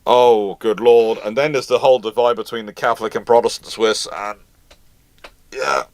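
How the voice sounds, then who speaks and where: A man talks through viewer questions on a live stream in a loose, conversational way. He is animated and emphatic and laughs easily, and his voice sits dry and close to the mic with little room sound. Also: fairly low pitch, normal speed, dry recording. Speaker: host of a live history Q&A. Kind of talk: casual live-stream chat.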